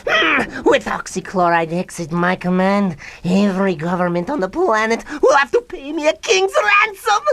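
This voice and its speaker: A woman's voice: mid-range voice, very animated, moderate pace, few pauses, a bit bright, no echo. A woman playing a petulant, grandiose young mad scientist in a comic radio drama, melodramatic and sulky. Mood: megalomaniac.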